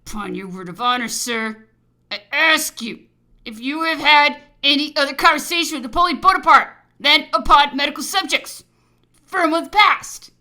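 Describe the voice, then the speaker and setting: A woman's voice: mid-range voice, quick pace, vocal fry, fairly bright tone, husky, exaggerated voice. A woman voicing an angry, menacing, domineering British colonial governor in a dramatized memoir audiobook, imperious and accusatory. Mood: menacing interrogation.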